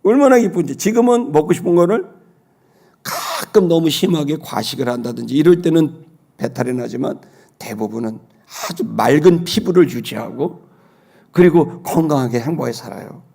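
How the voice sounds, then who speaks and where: A middle-aged male pastor gives a Sunday sermon built around a personal story, swinging between loud exclamations and soft, low asides. His voice is creaky and husky.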